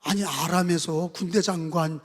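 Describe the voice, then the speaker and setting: A man preaching a sermon as pastor, telling the story dramatically and acting out the voices, his volume swinging from loud to soft. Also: on the high side, fairly even intonation, normal speed, husky. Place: church sanctuary. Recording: long hall reverb.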